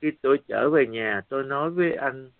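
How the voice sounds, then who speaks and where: A man preaches a sermon as a lively story, acting out the dialogue. His voice is gravelly at mid pitch. The sound is dry and tinny, like a phone line. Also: fairly quick, no echo.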